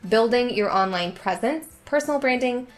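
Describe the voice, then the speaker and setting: A woman in her twenties with a slightly raspy voice, just getting over being sick, chatting upbeat to her viewers in a sponsored video about writing. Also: fairly high pitch, expressive. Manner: upbeat, chatty, quick asides. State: recovering from illness. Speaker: writing YouTuber. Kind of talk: sponsored video talk to camera.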